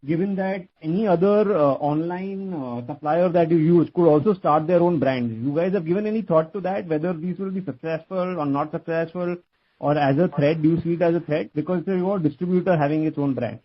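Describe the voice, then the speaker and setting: A man's voice: fairly high pitch, fairly quick. A man calling in to an earnings call with a long question that he restates. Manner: wordy, circling back to restate the question. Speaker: analyst caller. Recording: muffled phone line.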